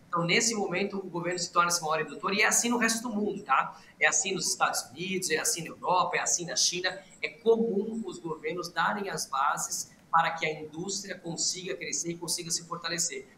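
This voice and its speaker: A man in his forties talks fast on a video call, with a bright, lively voice and quick restarts. He sits in a room with blinds behind him, and his voice carries a clear roomy echo with a faint background hum. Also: a little high. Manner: quick, energetic explanation with restarts. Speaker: economist interviewed as guest. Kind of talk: live remote news interview.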